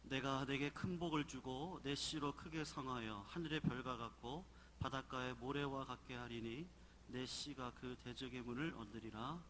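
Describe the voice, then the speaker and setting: A man reading scripture aloud in church, announcing verses and leading the reading in a measured, formal cadence. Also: medium pitch, a bit bright, a little hiss or hum. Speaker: scripture reader. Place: church sanctuary.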